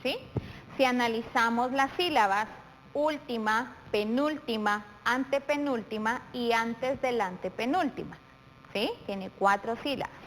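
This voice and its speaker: A middle-aged woman teaching a televised primary-school lesson, patient and deliberate, drawing out words syllable by syllable. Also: a little high, fairly bright tone. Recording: faint reverb and light background noise.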